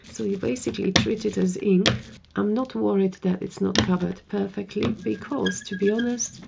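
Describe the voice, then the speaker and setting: A woman with a slightly hoarse, croaky voice hosts a painting tutorial, chatting and thinking aloud as she works. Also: medium pitch, fairly even intonation, moderate pace, heavy background noise. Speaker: art tutorial host. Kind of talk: casual painting tutorial narration.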